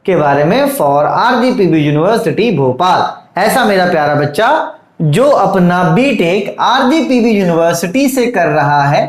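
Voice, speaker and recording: A man's voice: high-pitched, expressive, a little slow. Fatherly tutor man, echoey room. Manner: fatherly, calls students "beta", keeps asking "theek hai". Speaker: online tutor. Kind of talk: casual video lecture.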